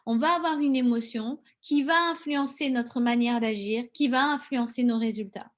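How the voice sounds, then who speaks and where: Lady coach, kinda high voice, chatty, acts out little inner dialogues. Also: moderate pace. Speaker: self-confidence coach. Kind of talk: casual spoken coaching lesson.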